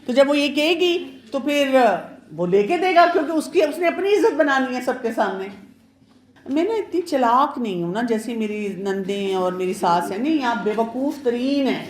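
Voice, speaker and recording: Lady doctor giving a chatty advice talk, fairly high voice, echoey room. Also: lively intonation, background noise. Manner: chatty, advising, switches between Urdu and English words. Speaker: pediatrician giving a marriage awareness talk. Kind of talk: informal lecture to women. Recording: roomy echo.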